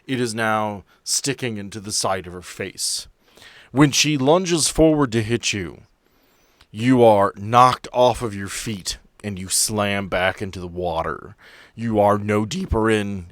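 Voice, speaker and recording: A man running a tabletop game as game master, improvising narration in deliberate, descriptive phrases. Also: lowish voice, no echo, clean studio sound.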